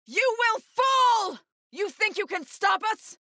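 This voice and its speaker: A woman's voice: extremely high pitch, expressive, slow, sharp tone, no room sound, clean studio sound, exaggerated voice. An actress playing an earnest female tribal warrior companion, delivering short, emphatic battle lines for a video game. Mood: urgent, fierce.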